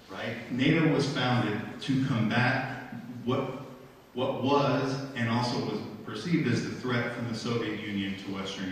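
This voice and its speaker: The recording, made from the audience with a far-off camera, catches a handheld mic played through room speakers in a very echoey lecture hall with faint noise. On it, a middle-aged American diplomat with a medium-pitched voice delivers a formal speech in measured, deliberate phrases.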